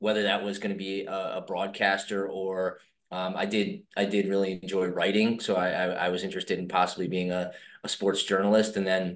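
A man speaks with a fairly low pitch. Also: quiet background. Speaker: podcast guest. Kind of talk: interview answer. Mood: relaxed, laughing, friendly. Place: home room. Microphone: video call.

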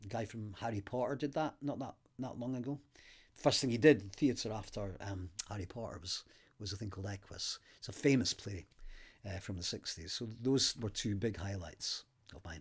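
With a slight Aberdeen accent, a somewhat breathy man speaks at a moderate pace in a fairly low pitch, showing ordinary pitch variation and big swings in loudness over a quiet background. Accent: light Aberdeen Scottish. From Scotland. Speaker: actor and theatre director. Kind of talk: interview. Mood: relaxed, reminiscing. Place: home room.

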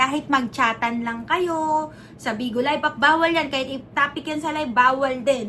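Noticeable background noise sits behind a woman's raised, projected voice. She talks at a moderate pace with a high pitch. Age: 30s. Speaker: vlogger and livestream agency manager. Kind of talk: vlog tutorial. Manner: animated.

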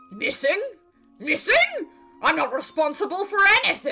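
Faint music plays in the background as a put-on character voice climbs to an extremely high pitch with very wide pitch swings. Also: moderate pace. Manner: boastful, hearty, easily offended.

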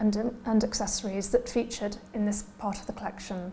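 Somewhat breathy with a dark, mellow tone, a woman speaks at a moderate pace in monotone, flat intonation. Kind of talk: interview answer. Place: studio.

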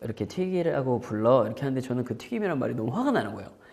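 An animated man with very wide pitch swings over a quiet background. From South Korea. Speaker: lecturer. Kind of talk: lecture. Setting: live training session with audience, filmed. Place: studio. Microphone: lapel.

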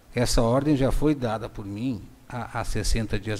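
This man speaks with ordinary pitch variation. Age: 50s. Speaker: traffic department coordinator. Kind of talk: council hearing testimony. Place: hall. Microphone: podium.

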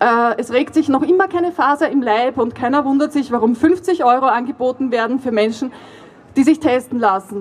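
There is light background noise behind this woman. She talks at a fairly quick pace with a high pitch. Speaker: speaker. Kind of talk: public speech. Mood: indignant, critical. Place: stage.

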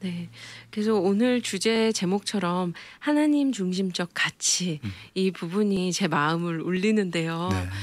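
Very slowly, a woman with a medium pitch speaks with lively intonation in a dry recording with no echo. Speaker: radio host. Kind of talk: interview. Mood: warm, friendly. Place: studio. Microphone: studio mic.

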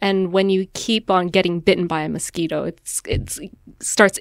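A woman speaks very slowly in a fairly low voice. The recording is very clean, with a silent background. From Japan. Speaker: news reporter. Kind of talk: casual discussion.

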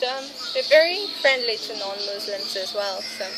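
Over loud background noise, a woman talks with ordinary pitch variation. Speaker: travel vlogger. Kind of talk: casual vlog chat. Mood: cheerful, curious. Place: open country. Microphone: phone near.

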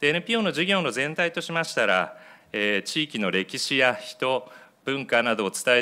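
This man's tone is bright and sharp. He speaks fairly quickly. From Japan. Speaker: nonprofit director. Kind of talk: conference presentation. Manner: formal. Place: hall. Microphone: podium.

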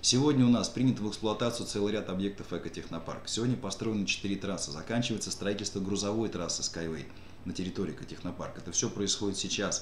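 A man's fairly low-pitched voice at a very fast pace, with ordinary pitch variation, audible room echo and noticeable background noise. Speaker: webinar presenter for an investment company. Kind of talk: sales pitch. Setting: online webinar.

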